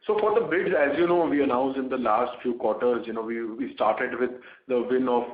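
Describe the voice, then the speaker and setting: A man's voice: medium pitch, normal speed. A man with an Indian accent answering as a company executive on an earnings call in a businesslike way. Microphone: conference call phone. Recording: echoey narrowband phone line.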